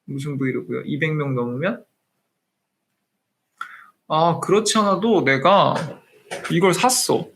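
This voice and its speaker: A man's voice: a little high, measured pace, creaky, pauses often, fairly bright tone, slightly rough. A 30-year-old man hosting a live stream, chatting casually with viewers and slipping between polite and informal speech.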